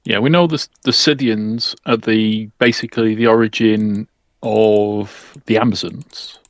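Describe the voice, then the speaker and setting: A man's voice: on the low side, fairly even intonation, measured pace, no room sound. A man on a discussion panel, explaining casually and a little hesitantly, repeating words as he goes.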